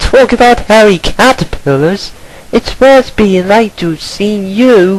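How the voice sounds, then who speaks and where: The speaker puts on a character voice at a fairly high pitch. The pace is fairly slow. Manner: mocking.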